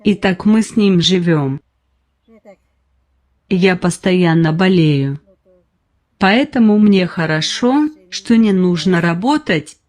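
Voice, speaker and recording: A very old woman in her nineties tells her story in short, simple sentences. She speaks slowly and without hurry, pausing between each plain statement. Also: fairly low pitch, darkish tone. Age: 90s. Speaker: patient interviewee. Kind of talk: slow personal testimony.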